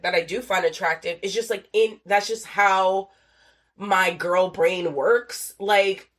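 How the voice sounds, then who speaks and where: A woman's voice: mid-range voice, fairly bright tone. Young woman host, loose rambling podcast chat, swears freely, stuffy nasal voice from a cold. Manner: rambling, swears a lot, many fillers. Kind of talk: casual solo podcast chat.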